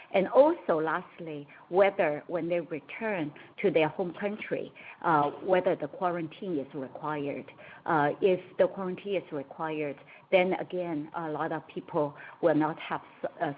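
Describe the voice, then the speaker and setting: Low-voiced woman on a tinny phone line. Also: a little hiss or hum. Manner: measured, halting delivery in short phrases. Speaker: company executive. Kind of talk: earnings call answers.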